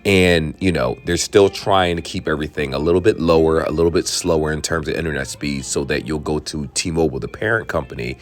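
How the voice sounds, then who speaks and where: A man hosting a tech channel, chatting casually and frankly to viewers, his voice worn hoarse. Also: very deep voice. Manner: chatty, frank, drifts into asides. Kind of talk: casual explainer talking to viewers.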